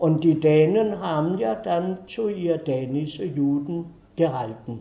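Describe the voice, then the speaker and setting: A man's fairly high voice at a very slow pace, with lively intonation and audible room echo. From Denmark. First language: Danish (speaking German). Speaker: Holocaust survivor and contemporary witness. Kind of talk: lecture. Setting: university lecture hall with audience. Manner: halting.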